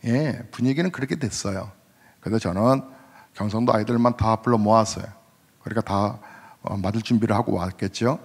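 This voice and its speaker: Speaking a little fast with a husky voice, this man in his fifties, a senior pastor, delivers a sermon like a conversational story. He asks the congregation questions and his pitch rises when things turn emotional. The church sanctuary gives a long hall reverb.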